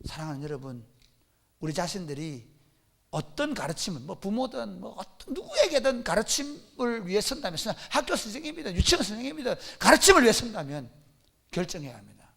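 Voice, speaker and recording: A man's voice: high-pitched, big pitch swings, a little fast, gravelly, fairly bright tone. A male pastor preaching a sermon at a church service, emphatic and full of rhetorical questions.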